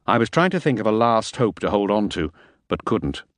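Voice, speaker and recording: A man reading a first-person novel aloud as an audiobook narrator, measured and wry. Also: lowish voice, very animated, no echo.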